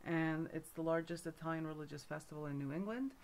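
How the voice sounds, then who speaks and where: A woman's voice: sits low, fast talker, darkish tone. A middle-aged woman from Montreal giving a casual talk to camera as a folk magic teacher, rambling with many fillers and asides. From Montreal, Canada.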